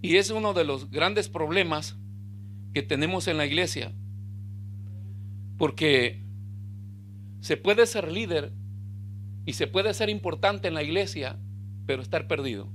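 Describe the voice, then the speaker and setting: Male pastor, impassioned sermon, bright voice, sudden drops to quiet low asides. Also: animated, measured pace, long pauses, slight background noise. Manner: impassioned preaching, swings between loud emphasis and quiet low asides.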